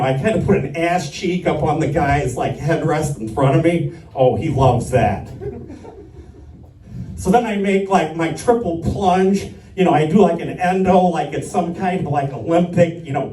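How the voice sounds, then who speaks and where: A stand-up comic rambles sardonically about his complaints before a live audience, his slightly high voice carrying a darkish tone. The distant mic catches the echo of the room.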